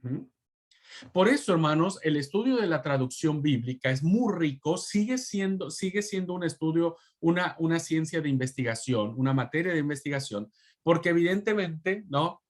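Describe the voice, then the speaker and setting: A man teaching a Bible history class, speaking slowly and haltingly, repeating words and addressing students as brothers. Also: a little high, expressive. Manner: slow, halting, repeats words and asks rhetorical "¿no?"; calls listeners "hermanos". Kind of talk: online class lecture.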